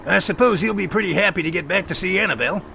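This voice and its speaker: A man's voice: sits high, fast talker, vocal fry, sharp tone, a little hiss or hum, full character voice, low-quality recording. A man playing a genial, folksy professor and researcher in an amateur audio drama. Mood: affable. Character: genial, enthusiastic male professor and Bigfoot researcher.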